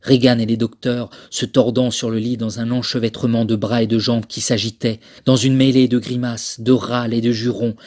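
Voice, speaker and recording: A man's voice: mid-range voice, flat delivery, moderate pace, few pauses, darkish tone. Man giving theatrical scripted narration. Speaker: voice actor. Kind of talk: scripted dramatic narration for a demo reel.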